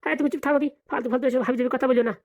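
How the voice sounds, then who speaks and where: A woman's voice: sits high, steady tone, vocal fry, a little mellow. A woman voicing a scheming, money-hungry village father in a comedy cartoon, scolding and bantering. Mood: bossy, bantering. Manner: rapid, colloquial, bantering scolding.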